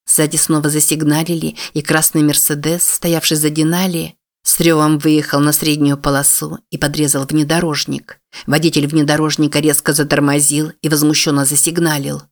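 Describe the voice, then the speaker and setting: Steady audiobook narrator. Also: medium pitch, normal speed, few pauses. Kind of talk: scripted narration.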